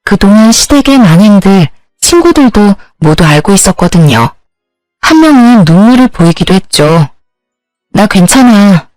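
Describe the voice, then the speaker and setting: A woman's voice: mid-range voice, very animated, moderate pace, a little mellow, dry recording, soft background music, rough recording. A young woman narrating her own story in a confiding, aggrieved way.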